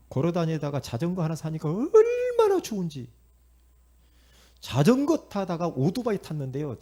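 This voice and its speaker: A middle-aged male pastor from Korea preaches with a gravelly, husky, darkish voice. His delivery is lively and sweeps widely in pitch as he acts out the voices in his stories, and he keeps calling out to the congregation. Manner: animated storytelling, acting out inner voices and quotes; repetitive, calls out to the congregation. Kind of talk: sermon.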